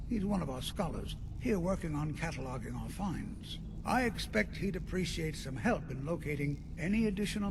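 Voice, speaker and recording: An actor playing a kindly, cautious elderly wizard teacher in a video game, gentle and courteous in manner. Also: male voice, fairly high pitch. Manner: gentle, measured, courteous lecturing. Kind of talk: video game character acting. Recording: game audio with clear background noise.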